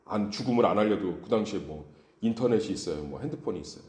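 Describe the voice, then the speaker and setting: Animated male pastor preaching in church. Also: lowish voice, fast talker. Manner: animated, rhetorical questions, acts out stories. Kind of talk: dawn service sermon. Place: church sanctuary. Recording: echoey church room.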